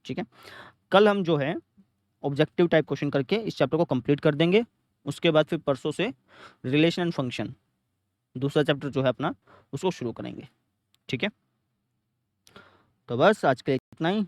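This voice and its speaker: This young male math teacher has a north Indian Hindi accent and a slightly high voice with lively intonation. He talks at a normal speed but pauses often, repeating steps, explaining each one in turn, and answering questions he raises himself. There's no echo, and the studio sound is clean.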